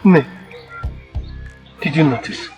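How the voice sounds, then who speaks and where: A proud, possessive Nigerian suitor. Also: male voice, a little high, lively intonation, slow pace, a little mellow, muffled recording, soft background music. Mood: pleading. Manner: insistent, boastful. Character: proud, possessive young man courting a maiden. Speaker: jilted suitor. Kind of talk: film acting.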